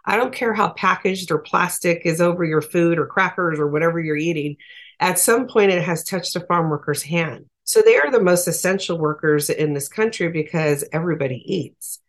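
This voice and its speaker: A woman advocate for farm workers, speaking as an interview guest in an earnest, emphatic, plain-spoken way. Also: lowish voice.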